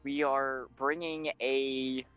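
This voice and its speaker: A man's voice: mid-range voice, level tone, slow pace, a bit bright, clear, resonant tone, dry recording. Brief: stammering male player, dull lo-fi mic, game music faint behind. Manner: hesitant, stammering, self-mocking. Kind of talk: casual tabletop game play.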